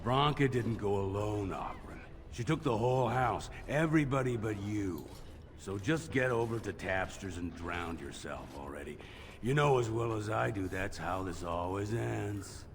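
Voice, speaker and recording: A man's voice: on the low side, normal speed, noisy background, close to an everyday voice. An actor playing a scornful, gossipy upper-caste dwarf man in a fantasy game, with a haughty manner.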